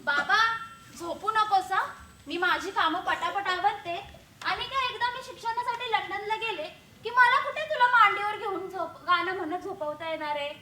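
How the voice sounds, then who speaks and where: A woman's voice: very high-pitched, normal speed, bright, forceful tone, a little hiss or hum. A young female student actor playing a loving daughter in a school stage skit, recorded in a roomy hall. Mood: affectionate. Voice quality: eager, affectionate.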